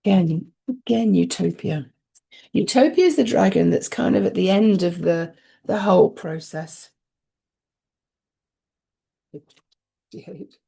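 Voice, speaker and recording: A woman hosting an oracle card reading, giving spiritual guidance in a soft, unhurried way that dwells on repeated phrases. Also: expressive, creaky, breathy edge. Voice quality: deep voice. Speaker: host and oracle card reader.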